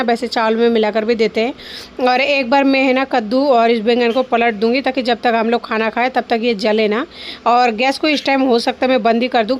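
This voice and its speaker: High-voiced chatty home vlogger woman. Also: lo-fi sound, a little hiss or hum. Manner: chatty, frequent tag questions; coaxing, soothing with a child. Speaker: vlogger and mother. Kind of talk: casual home vlog chat. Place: home kitchen and rooms.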